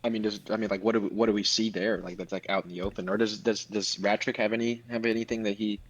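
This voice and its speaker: Low-pitched guy player, stop-start questions, kinda muffled lo-fi mic. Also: flat delivery. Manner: halting, restarting questions. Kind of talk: casual game chat.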